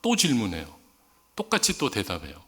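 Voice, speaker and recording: A man's voice: on the low side, wildly swooping pitch, a little fast, fairly bright tone, breathy edge. Conversational male preacher telling a story. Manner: conversational storytelling, acts out dialogue in quoted voices. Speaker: missionary preacher. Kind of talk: sermon. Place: church sanctuary.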